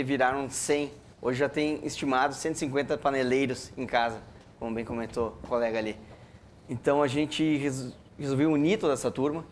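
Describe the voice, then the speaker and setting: A man, describing a brewers' association in a measured, hesitant way. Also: mid-range voice, darkish tone, a little hiss or hum. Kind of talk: casual chat.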